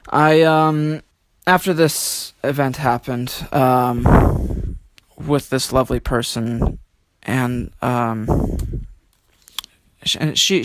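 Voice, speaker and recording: A man speaking as an interview guest, reflective and halting, telling personal stories with quirky, theatrical turns of phrase. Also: mid-range voice, gravelly. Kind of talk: conversational interview, personal storytelling.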